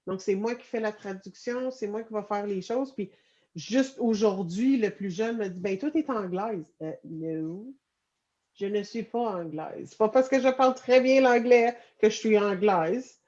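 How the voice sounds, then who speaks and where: A woman's voice: mid-range voice, measured pace, darkish tone, lo-fi sound. A woman with a Franco-Ontarian French accent, chatting casually in a group and rambling with restarts. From Ontario, Canada. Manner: rambling, many restarts and fillers. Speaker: guest in group discussion. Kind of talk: casual conversation.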